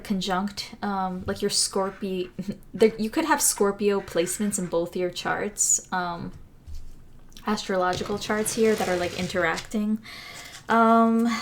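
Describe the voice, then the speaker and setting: A woman talks her viewers through a tarot spread in a loose, chatty way, full of fillers and restarts. Her voice is a little hoarse, since she has been losing it over the past few days. Her pitch sits in a middle range for a woman. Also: a little hiss or hum. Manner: rambling, many fillers and restarts. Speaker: tarot reader. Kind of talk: casual pick-a-card tarot reading.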